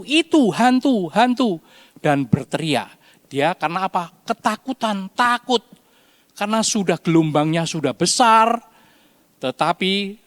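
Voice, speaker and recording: A man teaching a children's Bible lesson, telling the story with animated storytelling and acting out the cries. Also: high voice, no echo, studio quality. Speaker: Sunday school teacher.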